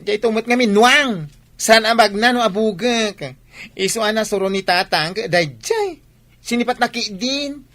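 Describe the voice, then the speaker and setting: A woman's voice: fairly high pitch, measured pace, a bit bright, dry recording. A woman playing a put-upon, wistful gay male cousin in a village comedy radio drama, with a plaintive, complaining manner.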